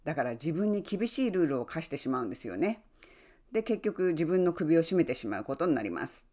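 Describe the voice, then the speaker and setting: A woman who works as an online English coach, giving friendly, encouraging advice and often adding soft tag words as she talks. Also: low-pitched. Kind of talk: advice talk to camera.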